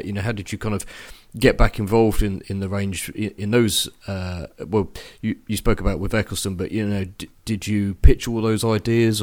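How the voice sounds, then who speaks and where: A man's voice: on the low side, a little mellow. A man hosting a casual podcast interview, asking questions with frequent restarts and repeated words. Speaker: podcast host.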